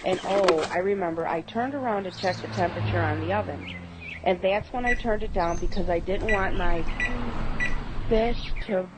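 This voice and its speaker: A woman's voice: fairly low pitch, normal speed, close to an everyday voice. Woman acting a flustered homeowner, noisy background. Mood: recalling. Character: flustered, grateful female homeowner. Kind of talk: amateur radio drama dialogue.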